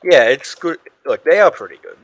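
A man's voice: a little high, animated, normal speed. A man co-hosting a casual podcast chat, rambling, swearing freely and laughing often. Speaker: podcast co-host.

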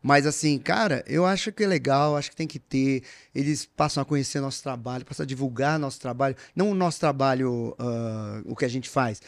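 A man's voice: medium pitch, brisk, creaky, hardly any pauses. A man, chatting casually about his work as a voice actor. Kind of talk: casual chat.

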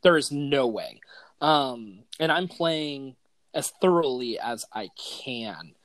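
A man hosting a casual gaming podcast, talking excitedly and enthusiastically in loose slang. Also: mid-range voice, slow, no echo. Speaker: podcast host.

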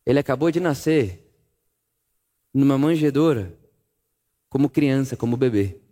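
A man preaching a sermon, telling the story dramatically, dropping to a hush and rising again as he acts out scenes. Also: mid-range voice, lively intonation, a little slow. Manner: dramatic storytelling, acting out scenes with hushed and raised voice.

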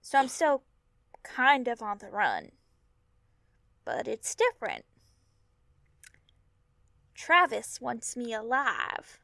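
Audio drama casting: hurting, blunt young mer runaway, slightly high voice, unhurried, very dry close sound. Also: female voice, wildly swooping pitch, vocal fry, pushed and bright, dry recording, exaggerated voice. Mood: guarded, subdued. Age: young adult. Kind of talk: naturalistic audio drama acting.

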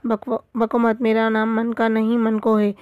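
A woman's voice: on the high side, monotone, dry recording, dull audio, natural voice. A woman voicing a boastful, teasing male jungle monkey in a read-aloud storybook.

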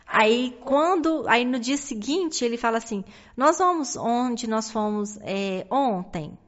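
A woman's voice: fairly high pitch, lively intonation, takes it slowly. Hesitant Brazilian mother sharing her story. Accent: Brazilian Portuguese. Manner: hesitant, many restarts and tag questions. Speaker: podcast guest, mother of an autistic child. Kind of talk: personal storytelling in a conversation. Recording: dull lo-fi recording.

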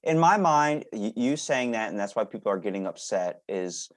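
A man's voice: fairly low pitch, expressive, moderate pace, no room sound. A man hosting a casual podcast, talking in a blunt, informal, opinionated way. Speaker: podcast host. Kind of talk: casual chat, opinionated rambling.

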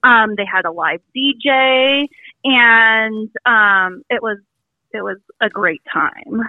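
A woman calls in over a tinny phone line, her voice a little high and slow, with no echo. She chats casually and laughs easily.

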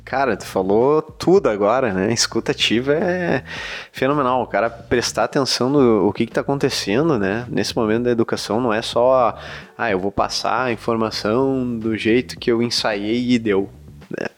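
A man co-hosting a podcast in a casual way, chiming in with quick remarks and prompting the others. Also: medium pitch.

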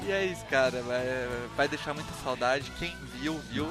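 A man's voice: a little high, normal speed. A Brazilian man hosting a casual live sports show. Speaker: host. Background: music.

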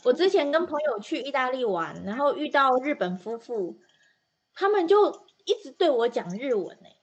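A woman from Taiwan with a Taiwanese accent, chatting casually and telling stories in an animated way. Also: sits high, moderate pace, breathy edge, dull audio. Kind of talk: casual group chat.

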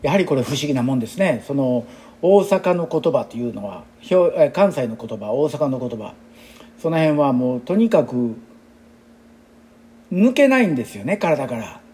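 His medium-pitched, mellow voice has a sing-song lilt and a moderate pace. He is a Kansai-accented exercise instructor in his sixties, giving a rambling, chatty and reflective casual monologue.

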